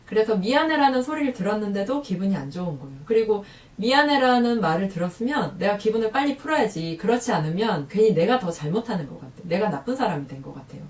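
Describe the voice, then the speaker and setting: A woman vlogging about talking with children, chatty and lively, acting out quoted lines. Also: medium pitch, fast, few pauses, echoey room, distant mic. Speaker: parenting vlogger. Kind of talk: casual talk to camera.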